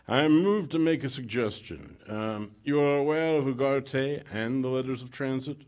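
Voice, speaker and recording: An actor playing a genial, scheming black-market boss with oily courtesy and hesitant ums, in 1940s-style radio theater. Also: male voice, medium pitch, measured pace, a little mellow, lightly acted. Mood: smooth, courteous.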